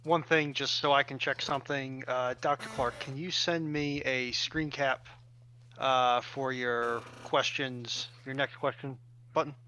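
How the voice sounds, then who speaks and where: A man explaining technical updates as a stream moderator over a voice call, in measured, formal wording. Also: mid-range voice, steady tone, pushed and bright, slight background noise. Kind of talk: explanatory announcement. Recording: dull lo-fi voice-call audio.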